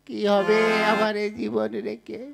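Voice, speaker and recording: A woman's voice: mid-range voice, flat delivery, unhurried, vocal fry. A woman voicing a clumsy, half-mad young village man in a puppet show, mumbling and mangling names as he pines for a girl. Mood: despairing. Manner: bumbling, mumbling, mispronounces names.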